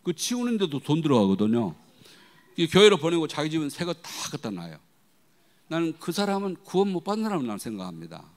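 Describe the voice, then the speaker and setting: A middle-aged man preaching a sermon as a guest pastor, telling stories animatedly and acting out the voices he quotes. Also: fast talker. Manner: animated storytelling, acting out quoted voices with big pitch jumps. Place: church sanctuary. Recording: long hall reverb.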